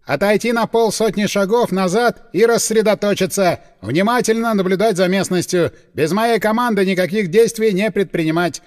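A man voicing a gruff, mocking army commander who is suspicious and barks orders. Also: high-pitched, moderate pace, hardly any pauses, big-room sound, natural voice. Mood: commanding. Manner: sneering, barking orders.

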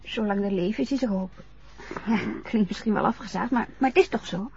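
A woman playing a patient carer with a mid-pitched voice who coaxes and reassures in soft, practical phrases. The recording is a dull, lo-fi radio play. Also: a little fast, gravelly, lightly acted. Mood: reassuring. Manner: soothing, coaxing, practical. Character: patient young female carer, gentle. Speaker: carer helping an old man dress. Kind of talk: radio drama acting.

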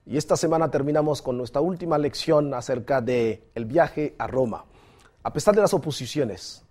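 A man's voice: mid-range voice, darkish tone. A man hosting a Bible study discussion in a studio, welcoming listeners and guiding the conversation. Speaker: host of a Bible study program.

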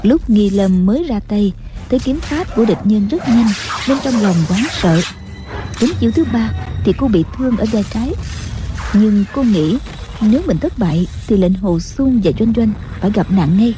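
A woman narrating a martial-arts novel as an audiobook in a steady storytelling voice. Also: mid-range voice, moderate pace. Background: faint music.

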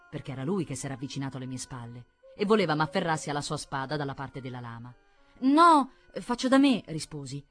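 A woman narrating a literary audiobook in a measured, expressive manner. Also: sits low, husky. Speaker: audiobook reader.

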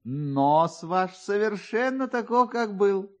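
A man's voice: high-pitched, lively intonation, slow, a little mellow, pitched above the performer's own voice. A man voicing a talkative, obsequious, short-sighted police officer in a literary radio reading, rambling and hinting as he goes. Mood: reassuring, officious.

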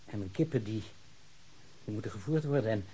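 An actor playing a meek, simple murder suspect in a radio drama, speaking haltingly and plainly. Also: male voice, fairly low pitch, expressive, warm tone, lightly acted. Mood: anxious, hesitant. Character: meek, slow-witted male murder suspect fretting over his animals. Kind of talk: naturalistic radio drama acting. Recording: muffled, clearly hissy drama recording.

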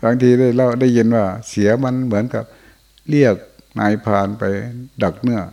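A man's voice: mid-range voice, fairly even intonation, moderate pace, creaky, warm tone. An older man, a Buddhist monk, giving an informal dharma talk in a monastery hall, telling folksy stories and often chuckling.

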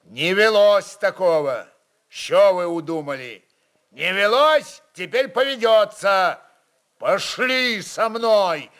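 Give this voice to a fierce Cossack chieftain acted out by a man, defiant and blunt. He speaks in folksy dialect at a measured pace, pitched somewhat high for a man, as in a radio play. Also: lively intonation, a bit bright, clean tone, heavily acted. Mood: loud defiance.

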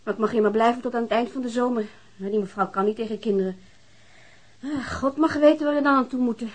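A woman's voice: a little high, fast, natural voice. A woman acting in a radio drama as a struggling mother, weary and guarded, with a plaintive manner.

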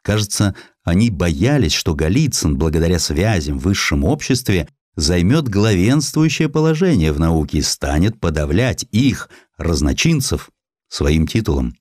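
A man reading a historical essay as an audiobook narrator, in an expressive, scripted literary style. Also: sits low, moderate pace, no echo, clean studio sound.

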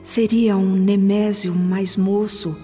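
Reverberant, music behind, young woman voiced by an actress, introspective, dramatic soliloquy, mellow, slow radio drama delivery. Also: mid-range voice, level tone, close to an everyday voice. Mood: troubled, wistful. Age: young adult. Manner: dramatic, introspective, pausing between phrases. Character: young woman, self-justifying, guilt-troubled, passionate in love.

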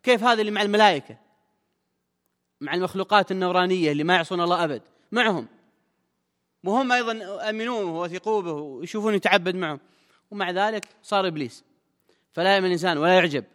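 A man's voice: sits high, fairly bright tone, in a large hall. A man, a sheikh explaining a religious text in a colloquial lesson, stressing points emphatically. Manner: explains quickly in colloquial speech, with emphatic rises.

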